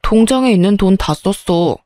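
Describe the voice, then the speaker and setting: A woman's voice: mid-range voice, expressive, moderate pace, warm tone, dry recording, lightly acted. A woman voicing a smug, self-righteous husband in his thirties who talks down to his wife, as she reads a story aloud. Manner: dismissive, belittling.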